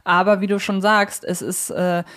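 A woman hosting a casual podcast discussion, explaining her views in an analytical, deliberate way. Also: mid-range voice, level tone, a bit bright. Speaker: podcast host.

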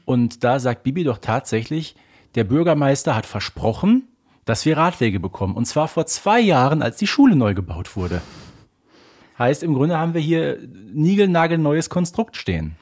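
German guy, bit husky, podcast co-host, casual chat, mock disbelief, rhetorical questions. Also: a little high, sing-song, normal speed, darkish tone. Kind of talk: casual fan discussion.

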